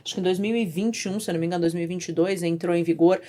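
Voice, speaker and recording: A woman's voice: fairly low pitch, fairly even intonation, racing, dark tone. A woman with a Brazilian accent, explaining things conversationally as a podcast panellist in an articulate, advisory way.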